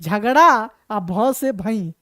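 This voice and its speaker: A man's voice: high voice, lively intonation, extremely slow, a bit bright, no room sound, clean studio sound, full character voice. A woman voicing an old man who talks through his nose, in a spoken story lesson. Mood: explaining. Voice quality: nasal. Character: nasal-voiced old man in a wedding crowd.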